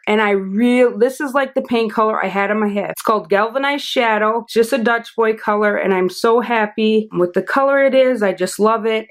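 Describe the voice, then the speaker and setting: A woman from the American Midwest giving a casual, chatty tour of her home office, with lots of filler words. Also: fairly high pitch. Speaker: home decor vlogger. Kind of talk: casual room tour narration. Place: small home office bedroom.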